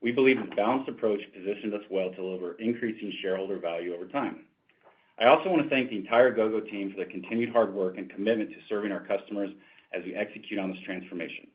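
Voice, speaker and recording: Deep-voiced man on a tinny phone line. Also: quick pace, slight background noise. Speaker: company finance executive on an earnings call. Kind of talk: scripted financial report read aloud. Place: conference call.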